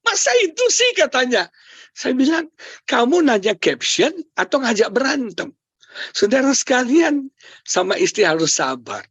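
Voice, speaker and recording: A middle-aged male pastor delivers a humorous sermon in a fairly high voice, picked up dry and close on the mic. He tells stories briskly and jumps up in pitch whenever he acts out the people in them. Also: no echo. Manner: lively storytelling, quotes his wife with raised pitch. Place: church or Zoom worship service.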